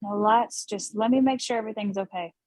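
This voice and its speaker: A woman's voice: medium pitch, fairly quick, a little mellow, no room sound, natural voice. A woman playing a protective, anxious mother who reassures her child, in a screenplay table read.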